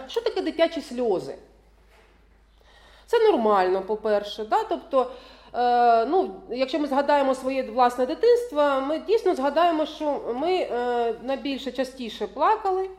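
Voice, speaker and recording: Woman lecturer for parents, higher voice, lively melody, keeps asking if you agree. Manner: keeps checking in with the audience; laughs often while talking.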